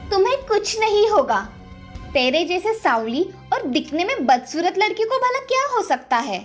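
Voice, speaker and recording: A woman's voice: very high voice, big pitch swings, normal speed, soft background music, pitched above the performer's own voice. A woman voicing a harsh, bossy stepmother who scolds and taunts in a cartoon story. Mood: scolding. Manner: scolding, commanding. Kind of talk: cartoon voice acting.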